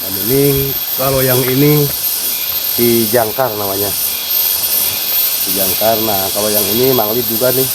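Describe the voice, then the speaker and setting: A Sundanese site guide from West Java speaks in a mid-range voice at a measured pace, leaving long pauses and filling gaps with plenty of fillers as he explains things unhurriedly. The casual explanatory interview takes place outdoors at a wooded sacred site, and the recording is very noisy.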